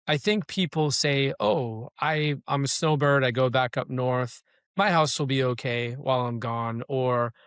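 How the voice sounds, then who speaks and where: A man's voice: mid-range voice, fairly bright tone, dry recording, clean studio sound. Man hosting a local interview show. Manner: conversational, with fillers like "you know". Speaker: podcast host.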